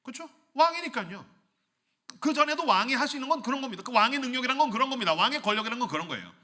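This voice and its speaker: A man's voice: very high voice, racing. A man preaching to a young adults' retreat in a church hall, playful and acting out scenes. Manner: animated, playful, acts out scenes. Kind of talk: sermon.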